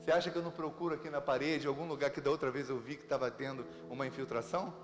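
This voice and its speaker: A man with a Brazilian accent, preaching a sermon as pastor, telling stories in a lively way with laughter. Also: mid-range voice, racing, in a large hall, over music. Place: church sanctuary.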